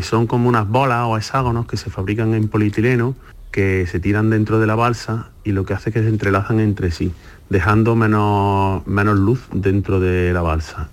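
Low-voiced male company director. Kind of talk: recorded explanation.

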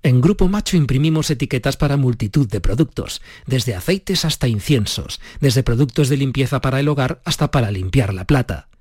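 A man with a husky voice reading a scripted radio advert. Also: medium pitch, darkish tone, no room sound, clean studio sound. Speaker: advert announcer.

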